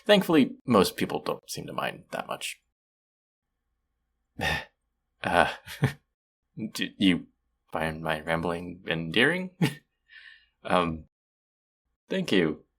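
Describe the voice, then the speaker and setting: A male actor performs an awkward young man with a deep voice in an intimate, one-sided audio drama. He is sweet and apologetic, talking as if on a phone call. His delivery is hesitant and rambling, full of self-deprecation. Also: big pitch swings, slow pace, gravelly, pauses often, fairly bright tone, full character voice. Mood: bashful, pleased.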